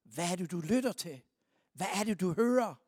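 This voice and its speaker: A preacher giving a sermon, reading scripture aloud and asking the listeners repeated rhetorical questions, moving between quiet reading and loud, emphatic stresses. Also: medium pitch, expressive, no room sound, clean studio sound.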